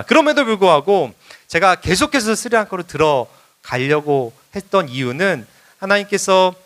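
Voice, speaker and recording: A man preaching a Sunday sermon as a visiting missionary, telling his story in a conversational way and rising to loud exhortation. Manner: builds to loud, high-pitched exhortation in the close. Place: church sanctuary.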